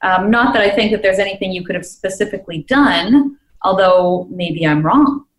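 A woman's voice: medium pitch, normal speed, reverberant. A woman co-hosting a talk show, upbeat and chatty as she speaks. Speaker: co-host. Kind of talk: casual talk show chat.

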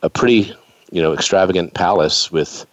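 A man's voice: sits low, moderate pace, dry recording. A man in his fifties, from the United States, hosting an interview in a chatty, rambling way. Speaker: show host. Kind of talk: casual interview chat. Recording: dull lo-fi sound.

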